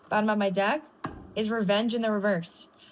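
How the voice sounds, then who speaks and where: A somewhat breathy woman's voice of medium pitch, at a fairly quick pace, on a very clean recording with a silent background. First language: not English. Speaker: tarot reader. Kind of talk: tarot reading to camera. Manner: casual, conversational with filler words.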